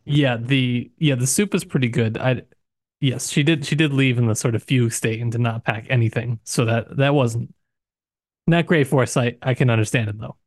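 Male podcast co-host, mid-pitched, informal and wry, feeling his way through sentences, dry recording. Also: normal speed, no echo. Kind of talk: casual book chat.

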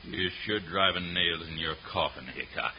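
An actor playing a hostile, threatening cattle rancher with a sneering drawl, in 1940s radio acting style. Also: male voice, low-pitched, moderate pace, close to an everyday voice. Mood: menacing. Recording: dull hissy old radio broadcast.

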